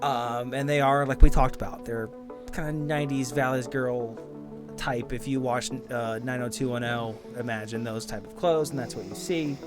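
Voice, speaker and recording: A man acting as game master, narrating casually and haltingly, with some swearing and trailing sentences. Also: medium pitch, steady tone. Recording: music behind the voice. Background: music.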